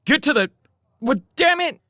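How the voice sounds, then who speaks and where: A man's voice: very animated, measured pace, dry recording, clean studio sound. A man voicing a female soldier who giggles and chats, then cries out in terror as the ground shakes. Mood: alarmed. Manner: giggly, then shrill panicked screaming. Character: female soldier Showen (Canada), chatty then terrified.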